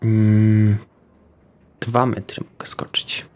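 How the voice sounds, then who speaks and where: A man's voice: on the low side, little pitch movement, slow pace, crowd noise. A man playing a tabletop game, asking hesitant questions with fillers. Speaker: player. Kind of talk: casual tabletop play.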